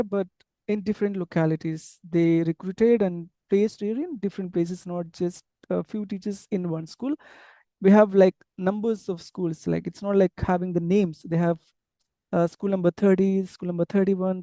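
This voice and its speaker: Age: unknown. Sex: man. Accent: Indian English. Native: an unwritten tribal language. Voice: mellow, hesitant. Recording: dry. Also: sits high, fairly even intonation, moderate pace, dry recording. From Andhra Pradesh, India. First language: tribal language without a script. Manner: hesitant, many fillers and restarts. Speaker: interview guest, English teacher abroad. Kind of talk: casual interview conversation.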